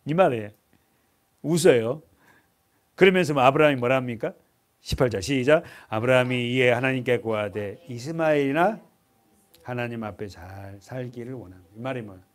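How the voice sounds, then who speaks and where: In a church, a male pastor with a medium-pitched voice delivers an expository sermon. He repeatedly poses questions to the congregation and answers them himself, and he asks them to read scripture aloud.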